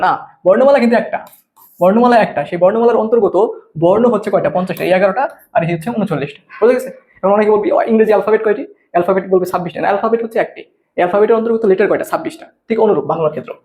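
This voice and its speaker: A man's voice: high voice, a little mellow. A man teaching a grammar class, explaining step by step and answering his own questions. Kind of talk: grammar lesson lecture.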